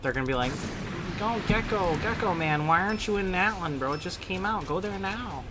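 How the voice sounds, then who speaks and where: A man hosting a casual gaming livestream, slangy and halting, joking at his own expense with game music behind him. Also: high voice, expressive. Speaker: livestream host. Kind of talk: casual gaming stream chat.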